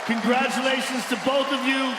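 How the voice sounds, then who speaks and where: A man interviewing a fighter in the arena, shouting his questions with enthusiasm. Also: very high-pitched, level tone, moderate pace, very noisy. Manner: enthusiastic, emphatic. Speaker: octagon-side interviewer. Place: large indoor arena. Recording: echoey arena with loud crowd. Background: cheering crowd.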